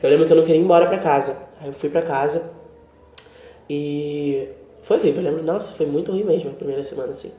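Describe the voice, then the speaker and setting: Young Brazilian man, podcast co-host, fast and lively, mellow tone; roomy, muffled home recording. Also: on the high side, a little hiss or hum. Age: young adult. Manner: animated, acts out quoted dialogue. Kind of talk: casual storytelling chat.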